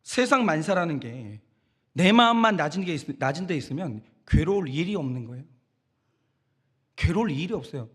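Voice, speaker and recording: A man's voice: on the high side, very animated, moderate pace, a bit bright, breathy edge. A middle-aged male pastor preaching a conversational sermon, firing rhetorical questions and acting out quoted voices.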